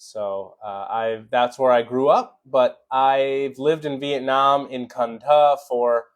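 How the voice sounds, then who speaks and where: A man's voice: medium pitch, fairly even intonation, takes it slowly. An American man from Chicago, an English teacher, chatting casually on a live stream and greeting viewers by name with many fillers. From Chicago, USA.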